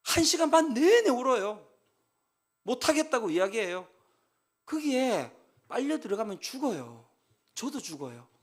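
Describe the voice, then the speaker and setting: A man preaching a Sunday sermon as pastor, lively and emphatic, at times shouting as he acts out counseling talks. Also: very high-pitched, measured pace, long pauses.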